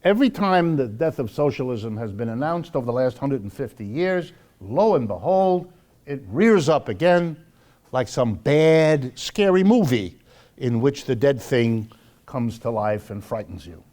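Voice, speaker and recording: A man with an American accent lecturing off the cuff to a live audience, wry and emphatic, slowing for dramatic weight. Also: medium pitch, expressive, darkish tone. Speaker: lecturer hosting a monthly public talk.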